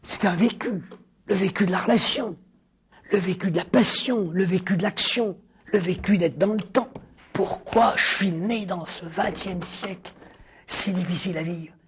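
A man giving a spoken philosophy lecture, drawn out and rhetorical, repeating key words and dropping suddenly into a hushed near-whisper. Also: high-pitched, a little hiss or hum. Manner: deliberate, drawn-out phrasing with sudden hushed drops.

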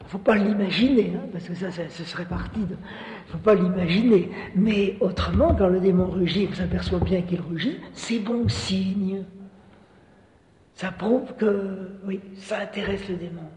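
A man's voice: high-pitched, a little mellow. A man giving a spiritual teaching talk in an earnest manner, often repeating words and tossing in little "hein" asides. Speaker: preacher. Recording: reverberant hall.

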